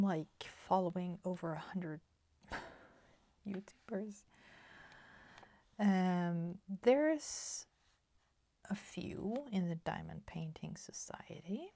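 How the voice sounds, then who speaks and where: A Swedish woman in her forties with a Swedish accent, chatting softly at her craft table with many fillers and half-whispered asides. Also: on the low side, lively intonation, takes it slowly, long pauses, dry recording. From Sweden. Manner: soft-spoken, slips into whispers, many fillers. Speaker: crafting channel host. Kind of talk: casual chat while crafting. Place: home craft table, indoors.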